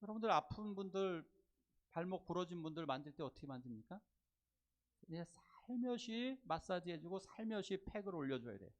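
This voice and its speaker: Lively preaching Korean pastor. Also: male voice, high voice, moderate pace, muffled recording. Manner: animated, acts out quoted voices, asks the congregation questions. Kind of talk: sermon. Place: church sanctuary.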